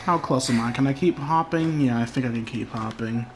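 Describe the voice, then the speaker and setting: A man's voice: medium pitch, brisk, over music. A young man giving casual, sarcastic gameplay commentary, talking to himself and swearing now and then.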